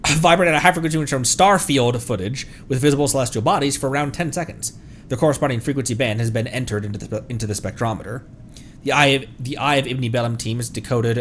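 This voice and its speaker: With a mid-range voice and a little background noise, a male livestream host and VTuber reads game text aloud while reacting casually. He occasionally stumbles over his words and goes back to correct them.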